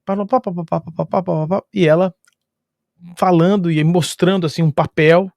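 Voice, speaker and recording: A man with a Brazilian Portuguese accent, his voice sitting a little higher than most men's, tells a travel story in relaxed conversation. He is lively, chuckles often and fills gaps with sound-effect words. The recording is dry and close, with no room echo. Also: moderate pace, creaky. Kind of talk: casual spoken storytelling.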